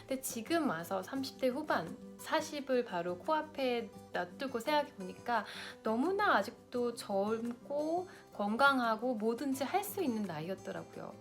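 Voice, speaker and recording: Woman in her thirties giving friendly advice. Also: a little high. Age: 30s. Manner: warm big-sister advice, direct address to viewers. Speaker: lifestyle vlogger. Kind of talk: advice talk to camera.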